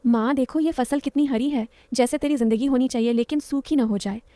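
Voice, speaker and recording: A woman's voice: high voice, fairly quick, mellow, no room sound, close to an everyday voice. A woman voicing a coaxing young stepson. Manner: pleading, suggestive.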